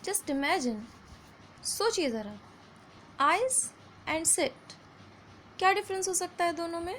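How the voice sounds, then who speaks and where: A woman with a high, light voice and an Indian English accent teaches vowel sounds to children. She slows down to stretch each example word and slips between English and Hindi. A faint hum of ambience sits under her voice. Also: sing-song, a bit bright. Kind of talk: phonics lesson for children.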